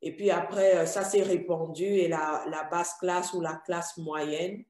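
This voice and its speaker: Woman host, lowish mellow voice, gentle and hesitant, roomy sound. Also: steady tone, a little slow. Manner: soft, comforting, hesitant with fillers. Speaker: Christian interviewer. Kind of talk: gentle interview. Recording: roomy echo.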